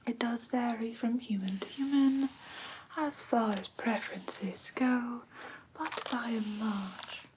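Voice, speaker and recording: A woman playing a prim, patient vampire teacher in a whispered ASMR roleplay, speaking softly and breathily with formal, careful instruction. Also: fairly high pitch, takes it slowly, noisy background. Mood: gentle, instructive. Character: prim, patient female vampire teacher of human pet care.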